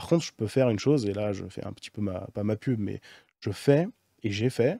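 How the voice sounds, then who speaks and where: A man speaks at a moderate pace and medium pitch with a dark, mellow tone and ordinary pitch variation, in a dry sound with no echo and a quiet background. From France, Paris. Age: 30s. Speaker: sculptor and communication business owner; podcast guest. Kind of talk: casual chat. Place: studio. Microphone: studio mic.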